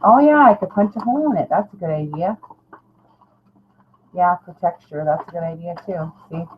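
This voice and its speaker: A woman's voice: on the low side, moderate pace. Middle-aged woman chatting, dull lo-fi recording. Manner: informal, self-deprecating, mildly salty. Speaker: craft vlogger. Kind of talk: casual rambling chat to viewers. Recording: dull lo-fi sound, clear background noise.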